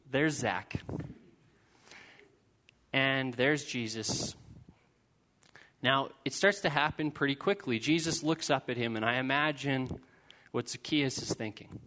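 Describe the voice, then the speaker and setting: A man preaching a sermon, telling a story with lively asides. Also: medium pitch, slight background noise. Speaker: pastor.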